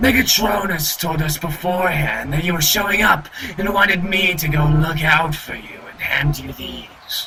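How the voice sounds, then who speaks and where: A put-on character voice runs at a moderate pace with hardly any pauses, over clear background noise. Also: man, high pitch for a man. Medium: audio drama. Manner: brusque, wisecracking.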